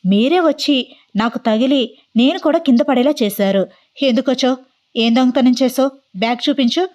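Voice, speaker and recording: A woman's voice: sits high, a little mellow, close to an everyday voice. A woman voicing a brash, arrogant young man who fires off accusing questions in a storybook reading. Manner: bossy, rapid-fire interrogating.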